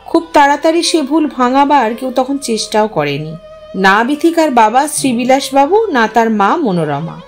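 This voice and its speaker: A woman reading a literary story aloud as an expressive narrator. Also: high voice, moderate pace, soft background music.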